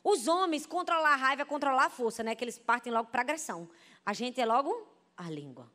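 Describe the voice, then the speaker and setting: A Brazilian woman pastor preaching a sermon, telling stories with lively, animated delivery and often turning to the congregation. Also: high-pitched, fast. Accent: Brazilian Portuguese. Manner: animated storytelling, addresses the congregation as "gente". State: pregnant.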